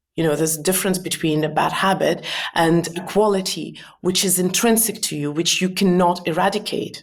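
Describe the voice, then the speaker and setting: Talking at a fairly quick pace, a woman with a strong non-native accent has a fairly low pitch and fairly even intonation. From Soviet Union. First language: not English. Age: 40s. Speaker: author and entrepreneur. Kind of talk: podcast interview. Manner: hesitant fillers.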